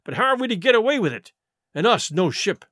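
Sulky grumbling pirate, read by a man, high bright voice, quick complaint. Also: big pitch swings, dry recording, studio quality, full character voice.

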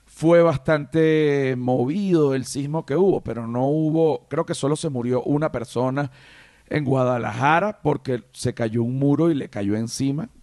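A man's voice: mid-range voice, a little slow, darkish tone, no room sound, studio quality. A man hosting a podcast, telling a rambling comic story and swearing casually. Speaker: podcast host. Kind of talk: comic monologue.

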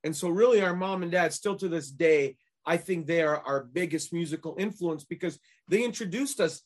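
Guest, man in his 40s from Canada, fairly high voice, jokey storyteller. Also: normal speed. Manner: joking, storytelling. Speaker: guest musician. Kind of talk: casual interview chat.

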